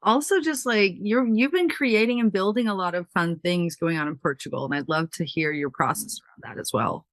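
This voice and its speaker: A woman's voice: lowish voice, fairly quick, hardly any pauses, a bit bright, no room sound, studio quality. A woman hosting an interview, asking friendly, curious, meandering questions. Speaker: podcast host.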